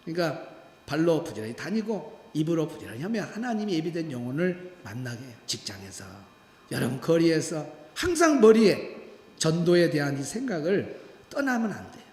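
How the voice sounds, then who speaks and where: Male pastor, sermon delivery with lively swings in pitch; animated storyteller, recorded in a reverberant church sanctuary. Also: brisk. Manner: animated storytelling, acting out quoted voices. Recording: echoey church hall.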